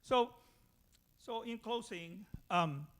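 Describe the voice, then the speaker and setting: A man from the Philippines with a Filipino accent, giving a personal church testimony in a halting way. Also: high-pitched, animated.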